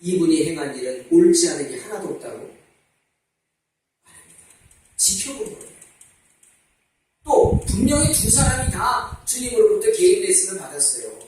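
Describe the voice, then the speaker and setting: High-voiced preaching pastor in echoey hall. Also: male voice, sing-song, moderate pace, pauses often, darkish tone, slight background noise. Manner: rhetorical questions and repeated exhortations. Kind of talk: sermon. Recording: echoey church hall, mic at a distance.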